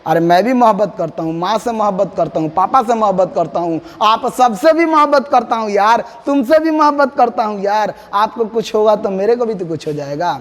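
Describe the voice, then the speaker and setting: A male teacher with a very high voice walks students through a poem line by line. He is lively and dramatic and keeps addressing his listeners directly. The recording has a long, echoing reverb. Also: fairly quick, few pauses. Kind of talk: lesson explaining an English poem in Hindi.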